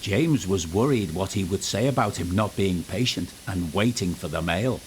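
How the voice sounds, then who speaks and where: A man's voice: low voice, animated, normal speed, a little hiss or hum, poor audio. A man narrating a scripted children's story as storyteller.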